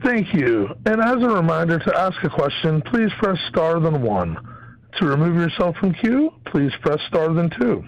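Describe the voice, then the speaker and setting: A man's voice: on the high side, big pitch swings, normal speed, no echo. A man giving scripted instructions as a conference call operator. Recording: dull lo-fi phone conference line.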